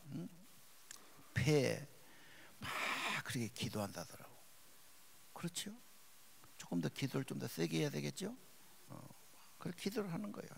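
A male pastor preaching a sermon, with emphatic rises and drops in loudness. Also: mid-range voice, vocal fry, slight background noise. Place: church sanctuary.

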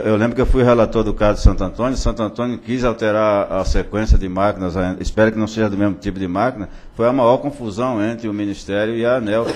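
A man with a Brazilian Portuguese accent, a regulatory board director arguing his case informally and insistently in a public meeting. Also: lowish voice. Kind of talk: deliberative meeting discussion.

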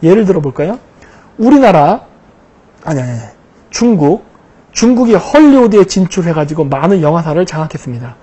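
A man giving a lecture-style political commentary over slides, posing rhetorical questions and answering them himself with emphatic, drawn-out stresses. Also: a little high, sing-song, mellow, husky.

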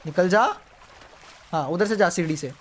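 A man's voice: high voice, a little slow, a little hiss or hum. Jumpy male streamer yelping at a game. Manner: jumpy, yelps and pleads with the monster, then hushes to a whisper. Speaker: gaming streamer. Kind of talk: live gameplay commentary.

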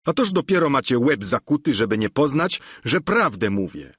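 A man's voice: medium pitch, sing-song, normal speed, fairly bright tone, husky, no room sound, clean studio sound. A man voicing an older, simple, talkative peasant squire who pleads and insists. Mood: exasperated.

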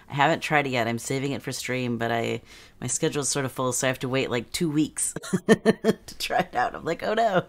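Very low-voiced bubbly woman host. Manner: bubbly, chatty, laughs easily. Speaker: podcast host. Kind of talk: casual interview chat. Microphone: headset on video call.

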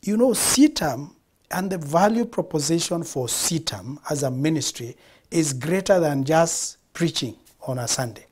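A man's voice: a little high, expressive, a little slow, darkish tone, husky. A middle-aged Kenyan man, a guest on a studio TV interview, speaking expansively and repeating phrases for emphasis. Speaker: guest, founder of a production studio. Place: TV studio set.

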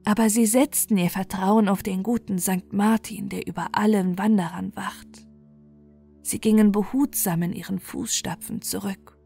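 A woman's voice: medium pitch, fairly even intonation, moderate pace, creaky, warm tone, husky. A woman storyteller narrating a scripted bedtime fairy tale, with music playing behind her.

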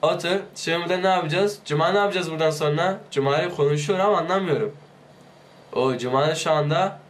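A man giving let's play commentary, excitable, pleading with and yelling at his game character while sick, his voice liable to give out. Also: a little high, fast. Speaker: gaming YouTuber.

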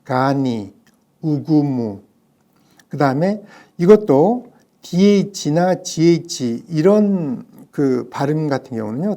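A male professor giving a recorded pronunciation lecture, speaking deliberately with frequent hesitations and pauses. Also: mid-range voice, darkish tone. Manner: slow, deliberate, many hesitations.

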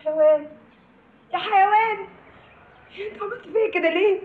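A woman's voice: extremely high pitch, fairly quick. An actress with an Egyptian accent playing a scheming young woman who gives orders dramatically. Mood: outraged. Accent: Egyptian Arabic. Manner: commanding, dramatic. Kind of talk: comedy film acting. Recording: tinny film audio with room echo.

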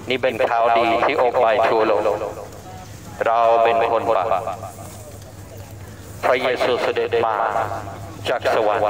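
A man's voice: mid-range voice, roomy sound, poor audio. A man preaching to passersby in an outdoor night market, earnest and repetitive, recorded on a body-worn camera. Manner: repetitive, earnest, polite sentence endings. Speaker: street evangelist.

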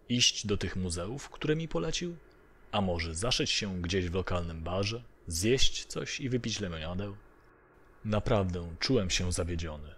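A man narrating a first-person horror story from a script. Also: sits low. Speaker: narrator of audio horror stories.

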